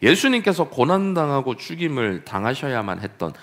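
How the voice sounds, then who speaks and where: A man's voice: medium pitch, big pitch swings, fairly quick, a bit bright. A man preaching a Sunday sermon as pastor, acting out scripture quotes with dramatic emphasis. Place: church sanctuary.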